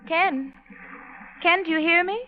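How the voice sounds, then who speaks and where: A woman's voice: very high-pitched, measured pace. An actress playing a greedy, ruthless woman doctor, speaking formally and precisely in old radio drama style. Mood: urgent. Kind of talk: 1940s radio acting. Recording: dull old-time radio recording.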